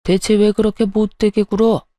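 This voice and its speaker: A woman's voice: mid-range voice, little pitch movement, normal speed, dark tone, no room sound, studio quality, close to an everyday voice. A woman voicing a domineering older father-in-law who barks orders at his daughter-in-law. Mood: stern. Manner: stern, barking.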